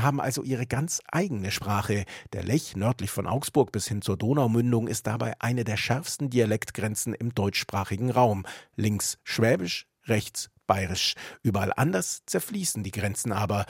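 A man narrating a radio feature from a script, with a measured, lightly wry delivery. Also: fairly low pitch, creaky, breathy edge, no room sound, clean studio sound. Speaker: radio reporter.

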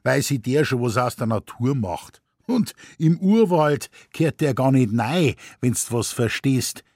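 A man reading aloud plays a gruff, laconic Munich husband in broad Bavarian dialect. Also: mid-range voice, expressive, a little slow, darkish tone, no echo, clean studio sound, pitched above the performer's own voice.

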